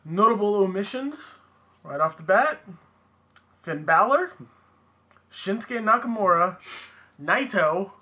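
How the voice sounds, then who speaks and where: A man's voice: high-pitched, expressive, takes it slowly, long pauses, bright, forceful tone. A man co-hosting a podcast in a casual, conversational style. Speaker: podcast co-host. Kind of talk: casual chat, wrestling discussion.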